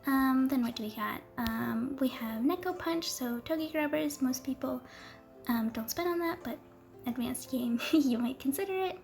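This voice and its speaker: A young woman chatting casually through a game walkthrough, giggly and full of ums, her voice going hoarse as she loses it. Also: high voice, moderate pace, a little mellow. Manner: chatty and giggly, gushing over cute characters, many ums. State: losing her voice, coughing. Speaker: gaming video creator. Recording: faint music underneath.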